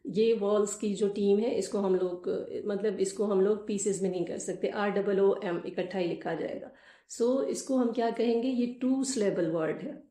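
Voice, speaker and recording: A woman teacher with a Pakistani accent and a mellow, warm voice explains a lesson step by step. She talks slowly and deliberately and mixes in English terms. The echoey room carries her voice. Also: medium pitch.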